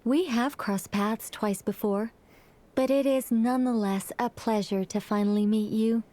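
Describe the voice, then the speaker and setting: A woman voicing a formal, composed witch, high-voiced. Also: fairly even intonation, dark tone, lightly acted. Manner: measured and formal, breaking into embarrassed fluster. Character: reserved female witch, formal yet easily flustered. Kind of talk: video game voice acting.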